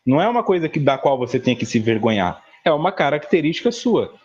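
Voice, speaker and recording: A man's voice: on the high side, very animated, fast, darkish tone, husky, lo-fi sound. A male psychologist leading a spiritual study class, explaining a text in a conversational way and often checking in with his listeners. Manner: conversational, frequent "tá?" tag questions; explains a read text with everyday examples.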